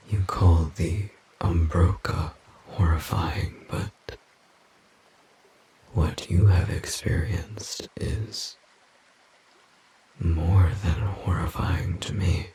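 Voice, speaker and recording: Forest demon, low gravelly creaky voice, solemn, formal, halting, protective, audio roleplay. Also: male voice, dark tone, a little hiss or hum, heavily acted, rough recording. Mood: grave, concerned. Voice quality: breathy, gravelly, whispery rasp. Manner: slow, formal, halting, pensive.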